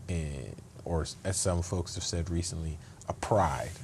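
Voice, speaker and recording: A man's voice: deep voice, unhurried, darkish tone, a little hiss or hum. A man speaking as an interview guest, earnest and reflective, often restarting his sentences. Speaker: guest, state attorney. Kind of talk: conversational interview.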